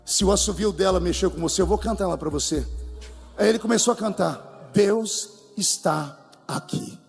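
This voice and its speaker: A man's voice: sits high, a little fast, gravelly. A male Brazilian pastor telling a humorous testimony in a sermon, acting out the people in his story. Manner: animated, humorous storytelling with acted quotes. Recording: reverberant church hall with music.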